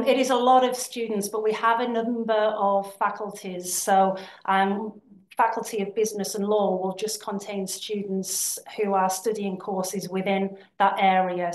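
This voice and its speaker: A woman's voice: mid-range voice, roomy sound. A woman presenting her university in a webinar, speaking steadily with frequent ums and repeated words. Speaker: university representative presenting to prospective students.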